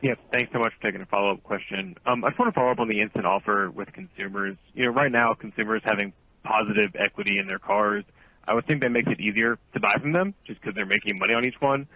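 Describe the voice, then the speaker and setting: A man's voice: on the low side, quick pace, no echo. A man asking questions as a financial analyst phoning in to an earnings call. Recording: dry, muffled phone line.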